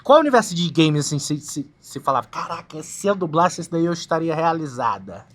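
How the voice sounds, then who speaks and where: A woman with a Brazilian Portuguese accent, hosting a talk show in a relaxed, slangy way. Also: deep voice, brisk. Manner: laid-back, slangy, uses mild swearing. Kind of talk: casual interview chat.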